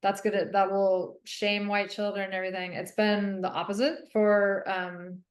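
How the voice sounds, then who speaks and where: A woman, a guest author, answering an interview question in an earnest, halting way with frequent ums. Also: medium pitch, flat delivery, roomy sound.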